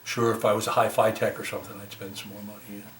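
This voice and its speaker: A man giving a casual hands-on repair demonstration as a volunteer technician, talking haltingly and thinking aloud as he works. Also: on the low side, level tone. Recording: roomy, noisy, distant microphone.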